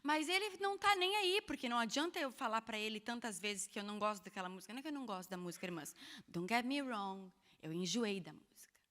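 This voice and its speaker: Woman, preacher, sermon, expressive, humorous asides, ringing church-hall reverb. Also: fairly high pitch, fast talker. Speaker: preacher at a women's church meeting.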